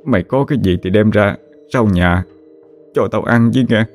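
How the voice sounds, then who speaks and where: A man voicing an eerie pale young man with a deep, muffled, echoing voice, mumbling slowly. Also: soft background music, natural voice. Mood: pleading. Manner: slow, mumbling.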